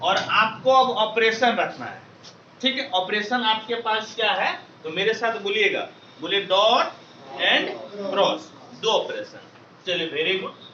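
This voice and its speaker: A man's voice: sits high, expressive, measured pace, sharp tone, a little hiss or hum. A man teaching maths to a class, drilling students with call-and-response questions. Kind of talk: classroom lecture. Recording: echoey classroom, distant lo-fi mic.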